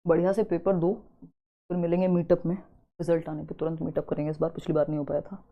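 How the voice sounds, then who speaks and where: A young woman teaching a live online exam-prep class, chatty and teasing, slowly spelling out word examples. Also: sits low, flat delivery, narrow, tinny audio. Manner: chatty, teasing students between explanations.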